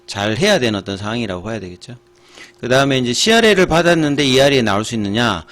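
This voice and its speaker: Methodical man explaining stock news. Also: medium pitch. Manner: explains with frequent fillers and restarts, steady and methodical. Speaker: stock market commentator. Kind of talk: casual explanatory commentary.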